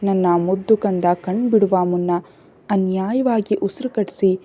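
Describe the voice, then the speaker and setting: A woman's voice: mid-range voice, a little slow, dark tone, close to an everyday voice. A woman voicing a fierce, vengeful young wife who snarls threats through clenched teeth. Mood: bitter.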